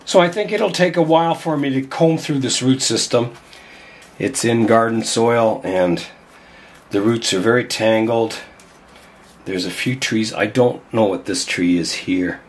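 In a glass greenhouse, an older man with a cold-roughened, hoarse voice works with his hands and chats casually for his bonsai channel, musing aloud as he goes. He speaks at a medium pitch and an unhurried pace.

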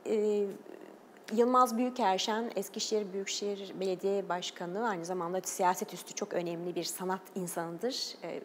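A woman's voice: medium pitch, steady tone, normal speed, slight background noise. Earnest woman guest in a reverberant studio. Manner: earnest, with fillers and laughs. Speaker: guest, journalist and documentary maker. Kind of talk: TV interview talk.

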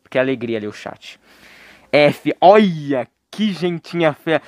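A man's voice: on the high side, animated, unhurried, no echo, clean studio sound. A young man with a Brazilian Portuguese accent streaming a horror game live, joking with his chat and breaking into panicked yelps when scared. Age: young adult. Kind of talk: live gameplay commentary.

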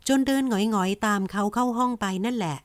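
A woman narrating a romance audiobook in an even, gentle storytelling manner. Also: on the high side, a little fast, no room sound. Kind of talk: scripted romance novel narration.

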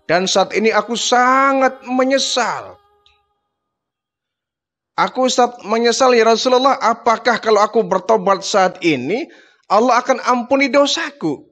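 A man's voice: extremely high pitch, expressive, unhurried, fairly bright tone, full character voice. A man voicing a repentant male Arab chieftain who pleads emotionally in a retold story. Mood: remorseful.

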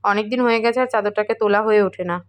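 A woman's voice: mid-range voice, fairly even intonation, rapid-fire, clear, resonant tone, soft background music. A woman in her thirties narrating a casual home vlog as she does chores, her throat heavy from a cold. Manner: chatty, talks through chores, mixes in English greetings. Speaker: vlogger, homemaker. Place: home, kitchen and rooms, indoors.

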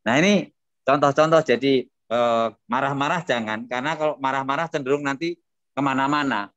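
An older man speaking at a seminar over a video call, casual talk with lively storytelling. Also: mid-range voice, moderate pace, dry recording, muffled recording. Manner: lively storytelling with acted quotes.

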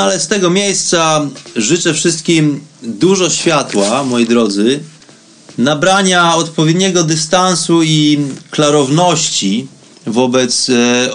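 A man hosting a spirituality radio show, giving a reflective solo monologue in a conversational way, addressing listeners directly. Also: fairly high pitch.

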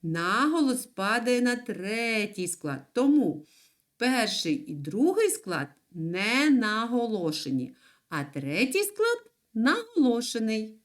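A woman teaching young children in an online lesson, speaking slowly in a lively, sing-song voice. She draws out each syllable so the children can follow. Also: a little high. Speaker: primary school teacher.

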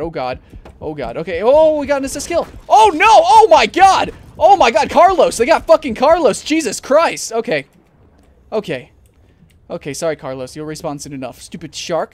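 A young man commentating his gameplay at a desk mic at home, jumpy and swearing, often breaking into panicked shouts. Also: on the high side. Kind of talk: let's play commentary.

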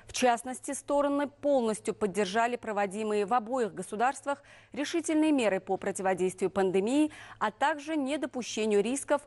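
Higher-pitched woman reading formal news. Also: expressive, brisk, a little mellow. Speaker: news reader. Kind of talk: formal scripted news narration.

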